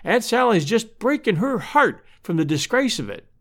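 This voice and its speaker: Guy putting on a chatty farm wife from a storybook, high voice, really lively, folksy and kind. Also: normal speed. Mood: sorrowful. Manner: folksy, exclaiming and fretful. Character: cheery, kind-hearted, talkative rural married woman. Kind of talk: storybook character voice.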